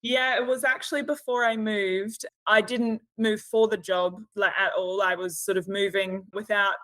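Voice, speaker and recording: Chatty Australian woman, flat pitch. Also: normal speed, no echo. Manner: chatty, lots of hedges like "sort of" and "you know". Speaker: podcast guest. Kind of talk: casual interview chat.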